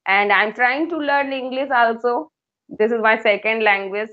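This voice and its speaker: A woman's voice: on the high side, moderate pace, muffled recording. Hindi-speaking Indian woman, hesitant English. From Uttar Pradesh, India. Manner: hesitant, many fillers and restarts. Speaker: English tutor. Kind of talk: casual English conversation practice.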